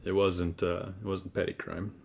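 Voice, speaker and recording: A man's voice: low-pitched, flat delivery, normal speed, creaky, a little hiss or hum. A man playing a tabletop game, improvising casually in informal, sweary talk. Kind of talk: casual improvised role-play chat.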